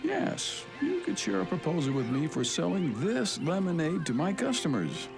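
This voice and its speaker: Kindly flustered folksy gent, gravelly, earnest, hesitant, hugely animated pitch, children's radio drama. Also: male voice, moderate pace, music in the background, heavily acted. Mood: amiable. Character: kindly, flustered, folksy middle-aged man of faith.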